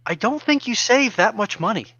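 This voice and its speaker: A man co-hosting a casual live chat, speaking in a measured, wordy way with rather formal phrasing. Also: sits high, expressive, pushed and bright, no room sound, lo-fi sound. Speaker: co-host and chat moderator.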